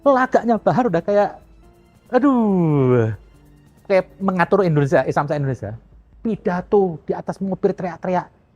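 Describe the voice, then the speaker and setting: A religious commentator delivers a blunt, mocking opinion monologue on a religious controversy, his voice high-pitched, animated and brisk. The recording is lo-fi with faint music.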